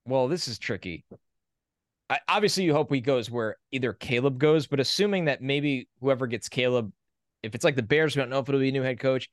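A young adult man co-hosting a podcast in a casual sports chat. He sounds opinionated and reels off facts in a steady run. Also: medium pitch, a little fast, no room sound, studio quality. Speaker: podcast co-host.

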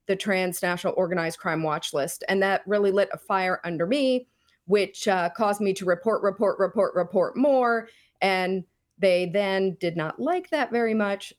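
A middle-aged woman speaking as an interview guest, explaining her own experience with deliberate, emphatic phrasing. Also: mid-range voice. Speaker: podcast guest, whistleblower. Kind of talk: explanatory personal account in an interview.

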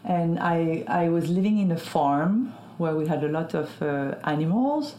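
A woman from France with a French accent and French as her first language, answering interview questions in an unhurried way and pausing with fillers to find words. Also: deep voice, lively intonation, dark tone, slight background noise. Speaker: guest, skincare founder. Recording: roomy echo.

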